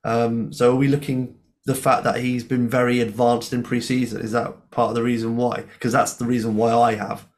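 A man with a hoarse voice co-hosting a casual football podcast, chatty and laughing often. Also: medium pitch, flat delivery, moderate pace, hardly any pauses. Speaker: podcast co-host.

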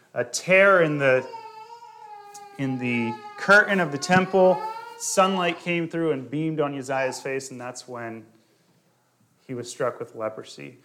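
A man preaching a sermon, working through a Bible passage in a deliberate way and lifting his voice on quoted scripture. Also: mid-range voice, a bit bright.

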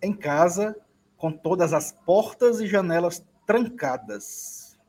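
A man's voice: high voice, lively intonation, slow, darkish tone. A man, a co-host telling a story in casual chat.

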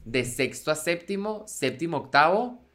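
A man's voice: on the high side, expressive, normal speed, a bit bright. A man with a Venezuelan accent co-hosting a podcast, telling loose, joking stories full of slang in casual chat. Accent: Venezuelan Spanish. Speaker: podcast co-host.

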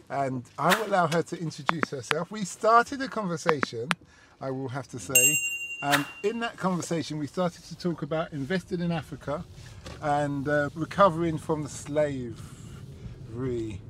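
A man's voice: a little high, lively intonation, normal speed. A man hosting a podcast from his parked taxi, chatting casually and restarting his sentences. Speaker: taxi driver and podcast host. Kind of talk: casual chat. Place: parked car. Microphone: podcast mic. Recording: noisy car recording. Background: car and street noise.

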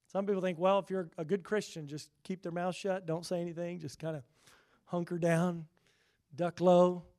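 Middle-aged pastor, man, noticeably high voice, earnest pulpit delivery that swells on scripture and sinks for asides. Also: little pitch movement, normal speed. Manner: earnest preaching, rising loud on scripture, dropping quiet for asides. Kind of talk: sermon.

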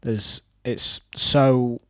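A man's voice: mid-range voice, steady tone, very slow, a bit bright, dry recording, clean studio sound. A man of thirty chatting casually on a podcast in a reflective, rambling way, explaining his own thinking. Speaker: podcast host and business owner.

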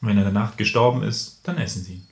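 A man's voice: lowish voice, racing, roomy sound. A man co-hosting a podcast, talking reflectively with many fillers and then reading a short story aloud. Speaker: podcast co-host. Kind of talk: casual conversation and story reading.

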